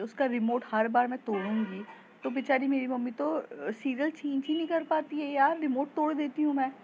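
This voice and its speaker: A woman's voice: high voice, muffled recording, a little hiss or hum, pitched above the performer's own voice. A woman voicing an earnest teenage girl student who talks eagerly and insists on her point, in a storytelling recording. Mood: insistent.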